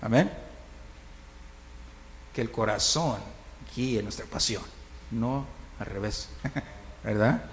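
A man's voice: on the low side, slow pace, pauses often. A man preaching a conversational sermon, often asking "right?" and chuckling. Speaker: pastor. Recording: reverberant hall, faint noise.

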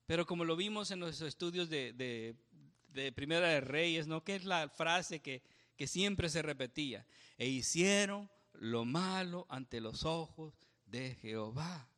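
A man's voice: fairly high pitch, animated, measured pace, a bit bright, long reverb tail. A man giving a conversational Bible study sermon, often checking in with the congregation and laughing at his own slips. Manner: conversational, asks the congregation questions with frequent tag "¿verdad?". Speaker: pastor.

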